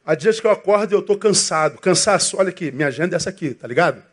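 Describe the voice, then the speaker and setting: A Brazilian pastor with a notably high voice delivers a sermon. He talks to the congregation like a friend, calling them brother and throwing questions at them. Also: expressive, very fast, slightly rough. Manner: conversational, calls listeners "irmão", asks them questions.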